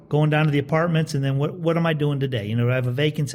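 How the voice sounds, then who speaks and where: Recorded very cleanly against a silent background, a man speaks in a somewhat breathy voice. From US Midwest, Akron Ohio. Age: 50s. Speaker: real estate investor. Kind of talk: interview.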